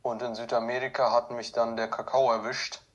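A man born in Ukraine and raised in southern Germany, a podcast guest, telling relaxed stories with many fillers. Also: medium pitch, fairly quick. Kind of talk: conversational interview.

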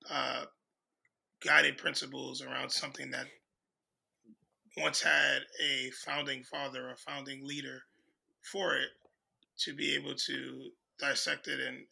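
A man's voice: mid-range voice, gravelly, sharp tone, slightly rough. A man in a casual discussion who speaks agreeably and hesitantly, often restarting his sentences. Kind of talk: casual conversation.

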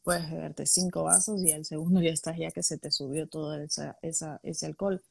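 A woman's voice: deep voice, level tone, fairly quick, gravelly, darkish tone, husky. A woman in a casual conversation, explaining her points through examples.

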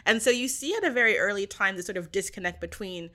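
Bright-voiced woman giving conversational analysis. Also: medium pitch, animated, fast. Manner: casual yet articulate, analytical. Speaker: interview guest, pop culture analyst. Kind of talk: conversational commentary.

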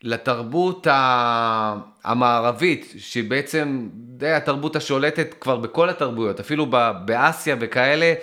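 Bright-voiced rambling man from Israel. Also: medium pitch. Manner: rambling, stops and restarts often, thinks aloud; animated and emphatic. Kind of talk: casual rambling monologue.

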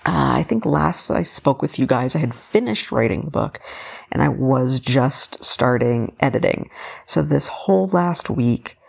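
A woman hosting a solo podcast, talking casually with lots of fillers, her voice raspy and tired. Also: rumbling low, expressive, a little slow, darkish tone. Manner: chatty, full of fillers and restarts. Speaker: podcast host.

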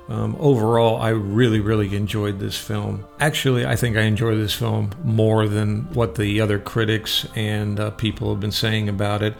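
A man's voice: fairly low pitch, creaky. A man hosting a radio show, giving casual, opinionated film reviews in a conversational way.

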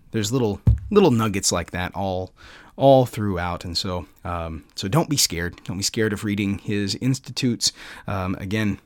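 A man's voice: on the low side, dry recording, studio quality. A man hosting a podcast, talking through theology in an earnest, conversational, explanatory way, often checking in with "right?". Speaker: podcast host.

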